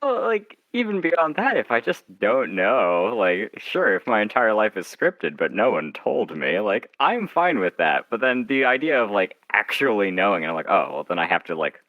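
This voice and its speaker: A man's voice: fairly low pitch, sing-song, normal speed, few pauses, no echo, phone-quality sound. A man from Oregon chatting casually as an interview guest, rambling wryly and acting out his own thoughts. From Oregon, United States. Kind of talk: casual chat.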